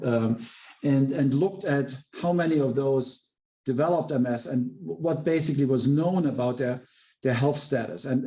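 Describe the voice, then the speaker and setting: Mellow, halting male executive explaining. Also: medium pitch. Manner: explanatory, halting, repeats words. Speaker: biotech company executive. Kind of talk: answering analyst questions on an earnings call.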